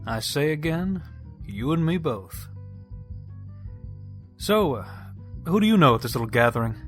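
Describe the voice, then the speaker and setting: A man's voice: fairly high pitch, very animated, measured pace, soft background music. An actor playing a chatty, self-deprecating, flirtatious man in a naturalistic audio drama. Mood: wry, casual.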